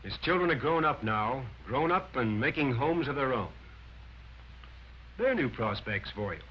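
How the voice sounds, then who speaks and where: A man's voice: mid-range voice, very animated, measured pace, a little hiss or hum. A man narrating a 1940s sales training film, lecturing emphatically and counting off his points one by one. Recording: dull lo-fi 1940s film soundtrack.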